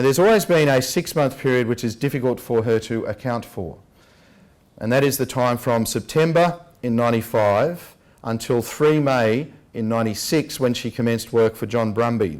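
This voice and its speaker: An Australian man delivering an investigative lecture in an emphatic, rhetorical manner, leaning on key words with deliberate stress. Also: mid-range voice, darkish tone. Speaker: public speaker, lecturer. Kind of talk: public address, investigative lecture. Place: public talk at a venue.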